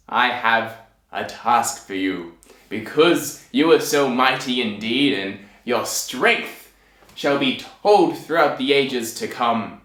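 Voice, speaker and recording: A man's voice: medium pitch, sharp tone. A man putting on a grand, echoing storybook king. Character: booming, imperious, scheming old-fashioned king.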